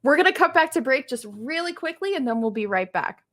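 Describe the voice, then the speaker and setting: A woman's voice: high voice, animated, a little fast, a bit bright. A young woman hosting a live esports stream, upbeat and full of fillers, interviewing players.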